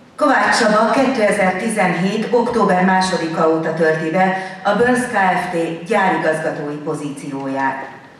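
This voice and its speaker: A woman at a very slow pace with hardly any pauses, in strong room echo. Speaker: announcer. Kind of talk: reading aloud. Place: hall.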